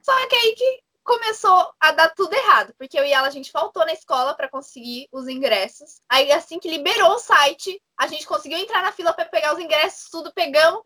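A young woman, chatting as a guest and telling a story in an animated, chatty way full of fillers. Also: very high voice, brisk, hardly any pauses. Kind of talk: casual storytelling chat.

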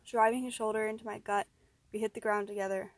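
A woman narrating a first-person horror story, steady and even, rising in tense moments. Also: medium pitch, fast talker, dry recording.

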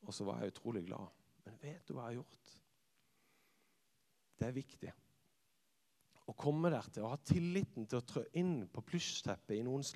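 A man, a church youth leader telling a personal story in a sermon, swinging from lively to hushed. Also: mid-range voice. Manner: lively storyteller who acts out quotes and drops to hushed tones. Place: church hall. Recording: long reverb of a church hall.

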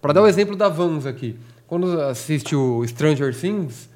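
A man making measured, reflective points in a casual chat. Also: on the high side, lively intonation, a little mellow.

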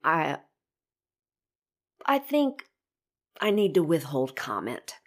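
An actress playing a guarded, reticent police sergeant in an audio drama, choosing words hesitantly and discreetly. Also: female voice, low-pitched, very animated, takes it slowly, heavily acted. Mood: guarded, uneasy.

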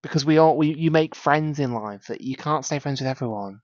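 A man's voice: fairly high pitch, brisk, no echo. A young adult man with a Northern English accent co-hosting a podcast, blunt, opinionated and teasing. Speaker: podcast co-host. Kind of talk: casual chat. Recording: dry, slightly dull podcast mic.

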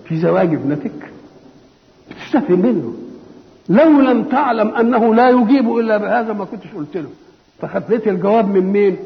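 An older man with an Egyptian accent gives a conversational Quran commentary, asking and answering his own questions and reciting verses slowly and solemnly. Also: high-pitched, vocal fry. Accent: Egyptian Arabic. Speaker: Islamic scholar giving Quran commentary. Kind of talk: colloquial Quran exegesis lecture. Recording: dull lo-fi recording with long hall reverb.

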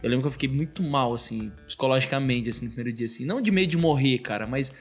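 A young man with a Brazilian accent shares a personal faith story as a guest. He talks at a rapid clip in a casual way and keeps dropping "cara" into his sentences. Faint music plays softly underneath. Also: medium pitch, husky. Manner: fast, fills speech with "cara". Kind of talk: casual testimony.

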